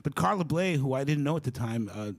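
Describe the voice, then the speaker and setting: A middle-aged man giving a storytelling talk, animated and acting out the people he quotes. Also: medium pitch, fast. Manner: animated, acts out quoted voices. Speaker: guest speaker. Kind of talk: storytelling lecture.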